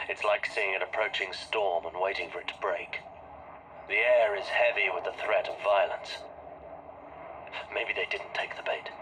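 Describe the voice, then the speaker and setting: An actor playing a grim, uneasy military officer, brooding and measured in a sci-fi game audio log. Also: male voice, fairly low pitch, pushed and bright, a little hiss or hum, low-quality recording.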